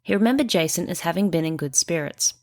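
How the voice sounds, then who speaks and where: A woman hosting a true crime podcast, reading a measured scripted narration with a stuffy nose. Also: on the low side, lively intonation, darkish tone. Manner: measured, reasoning aloud through evidence.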